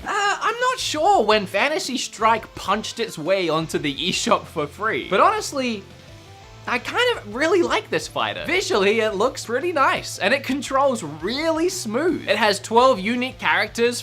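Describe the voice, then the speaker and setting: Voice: mid-range voice, sharp tone. A game channel host giving a casual, upbeat and joking review of free games.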